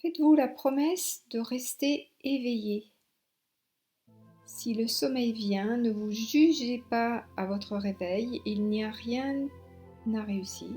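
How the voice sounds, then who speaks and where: A woman guiding a yoga relaxation meditation as an instructor, giving soothing, unhurried instructions with long pauses. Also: a little high. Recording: soft new-age music behind. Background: new-age relaxation music.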